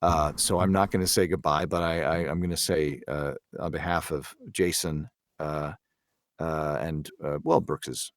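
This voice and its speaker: A man in a casual podcast discussion, speaking in a halting, reflective way. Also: a bass voice, steady tone, no echo, studio quality. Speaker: podcast participant, drama creator.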